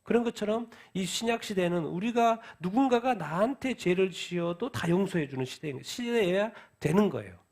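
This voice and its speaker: A man's voice: high voice, expressive, normal speed, few pauses, a little mellow. A man preaching a midweek sermon who asks questions and answers them himself. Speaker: pastor. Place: church.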